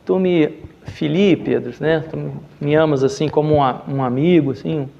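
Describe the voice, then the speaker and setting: A man voicing Jesus as a calm, fatherly teacher who gently scolds a difficult pupil. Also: fairly high pitch, normal speed, gravelly, lo-fi sound, slight background noise. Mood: tender. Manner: calm, fatherly, mildly exasperated.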